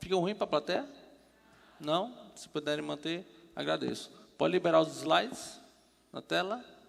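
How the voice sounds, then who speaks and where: A man with a Fortaleza accent at a fairly slow pace, with long, frequent pauses and big swings in loudness. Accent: Northeastern Brazilian (Fortaleza). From Brazil, Fortaleza (Northeast). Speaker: motivational speaker. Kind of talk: motivational talk. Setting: stage with audience.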